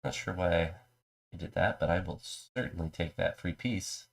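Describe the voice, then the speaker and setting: Streamer, male, low gravelly voice, stuffy from a cold, calmly narrates his moves. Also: normal speed. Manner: low-key, talks through his moves. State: mild cold, congested. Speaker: live streamer. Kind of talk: casual chess commentary.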